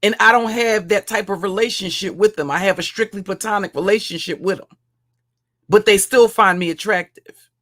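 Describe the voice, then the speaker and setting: A woman with a heavy, deep voice, ranting as a livestream commentator in a mocking, profane way, often repeating and restarting her phrases. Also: normal speed, fairly bright tone. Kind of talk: profane roast rant.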